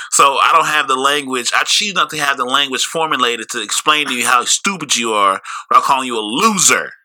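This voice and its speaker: A man's voice: medium pitch, moderate pace, bright, forceful tone. A man hosting a podcast in casual, profane chat, brash and mocking, laughing often. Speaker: podcast host.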